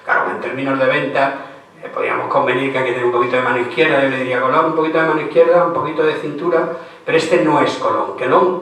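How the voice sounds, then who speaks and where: An older man from Spain tells history to a live audience with theatrical flair, acting out every scene. His voice sits somewhat high. It reaches the mic from a distance and rings through a reverberant lecture hall. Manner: lively, theatrical, acts out dialogue of historical figures. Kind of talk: storytelling lecture.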